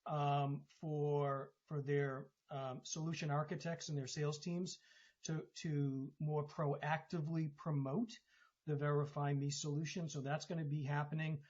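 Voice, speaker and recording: Male executive, lighter higher register, measured stop-start answers, slightly lo-fi conference line. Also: little pitch movement, a little mellow. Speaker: company executive. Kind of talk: explanatory answer on an earnings call. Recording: dull conference phone line.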